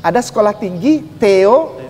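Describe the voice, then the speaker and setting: A man giving a lively public lecture in a religious debate, emphatic, asking the audience rhetorical questions. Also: sits high, unhurried. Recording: echoey hall reverb.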